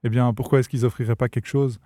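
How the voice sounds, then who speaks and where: A man's voice: mid-range voice, steady tone, fast talker, mellow, no echo, clean studio sound. A Belgian man with a Belgian French accent, a startup founder explaining his work in a podcast interview, often repeating words as he thinks.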